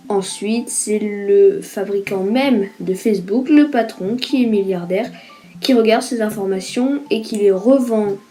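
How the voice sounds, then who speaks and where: A woman's voice: fairly high pitch, warm tone. A woman reporter giving scripted news narration in a lightly playful, explanatory way.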